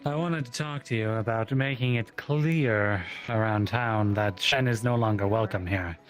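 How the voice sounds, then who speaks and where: A man with a low voice speaks in character in a virtual-world roleplay. He sounds grave, firm and measured, with faint music in the background. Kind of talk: casual in-character roleplay chat. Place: online virtual world voice chat.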